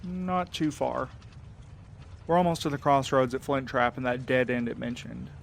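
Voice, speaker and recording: A man's voice: mid-range voice, steady tone, moderate pace, creaky, slight background noise, close to an everyday voice. A man playing a weary, protective and dryly sardonic character in a naturalistic audio drama. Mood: weary, worried.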